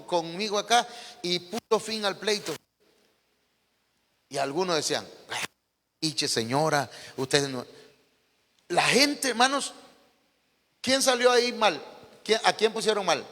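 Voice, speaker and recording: A man's voice: high voice, bright, forceful tone, big-room sound. A man preaching a sermon, telling stories and putting rhetorical questions to the congregation. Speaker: pastor.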